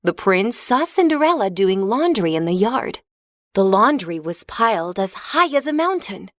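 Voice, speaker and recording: A woman's voice: medium pitch, normal speed, dry recording, clean studio sound. Woman reading a children's story. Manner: clear, expressive, even reading. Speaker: narrator. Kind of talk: scripted storybook narration for children.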